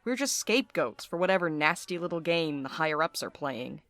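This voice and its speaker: A woman's voice: sits low, animated, brisk, a bit bright. A woman playing a blunt, sarcastic courier in an audio drama, with a dry manner. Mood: bitter, sardonic. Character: sardonic, blunt, foul-mouthed courier.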